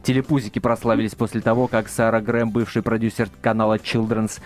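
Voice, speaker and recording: Brisk, fast-talking male radio host. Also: fairly low pitch, flat delivery, soft background music. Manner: brisk, announcer-like reading of facts and phone numbers. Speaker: radio talk show host. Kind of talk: live radio talk show hosting. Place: radio studio.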